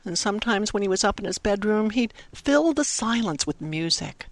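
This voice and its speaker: A woman telling a dramatic Christmas story for children, with simple, expressive phrasing and emphatic pauses. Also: medium pitch, no room sound. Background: music under the narration.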